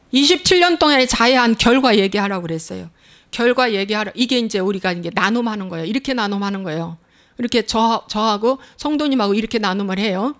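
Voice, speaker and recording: Woman preacher, conversational sermon delivery, punchy repeated questions, voice on the higher side. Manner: emphatic, repeating rhetorical questions; plain spoken, conversational preaching. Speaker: pastor.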